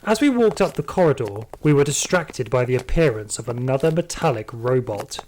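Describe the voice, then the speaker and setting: A man's voice: mid-range voice, expressive, brisk, a little mellow, slight background noise, close to an everyday voice, poor audio. A man playing a hardened, trigger-happy security guard, telling his story in dramatic first-person audio drama narration. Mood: tense.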